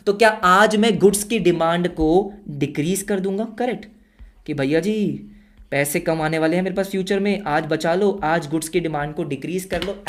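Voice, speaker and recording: A man teaching an online class, lively and full of quick yes-or-no questions for his students, slipping English terms into his speech. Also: high-pitched. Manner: energetic, fires rhetorical yes-or-no questions at students.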